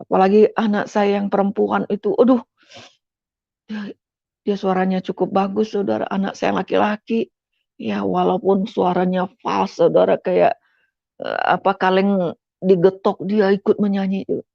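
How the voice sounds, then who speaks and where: A woman's voice: medium pitch, level tone, moderate pace, creaky, long pauses, no room sound. A middle-aged woman from West Sumatra tells her personal faith testimony with emotion, often addressing her listeners as "Saudara". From West Sumatra, Indonesia. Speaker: testimony speaker. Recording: dull, dry lo-fi sound.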